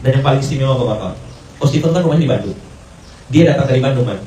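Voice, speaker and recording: A man delivers a brisk, storytelling sermon, slipping in Arabic and English phrases and voicing the people in his story. He sounds set back from the mic, and his voice rings around a roomy hall over a faint hum of ambience. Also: medium pitch, lively intonation, dark tone, distant mic. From Indonesia. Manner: conversational, mixes Arabic and English phrases, acts out quoted dialogue. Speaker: preacher.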